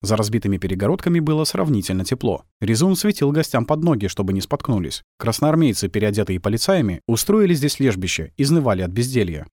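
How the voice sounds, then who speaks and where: Мужчина читает аудиокнигу, рассказывая выразительно. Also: male voice, medium pitch, fast, few pauses, dry recording, clean studio sound. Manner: expressive storytelling. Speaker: audiobook narrator. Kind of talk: audiobook narration.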